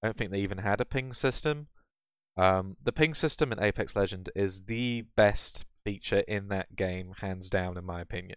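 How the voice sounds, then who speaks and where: In a very clean recording with a silent background, a man with a normal speaking voice talks at a fairly low pitch and moderate pace, with ordinary pitch variation. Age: 20s. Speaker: gaming podcast host. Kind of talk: casual chat.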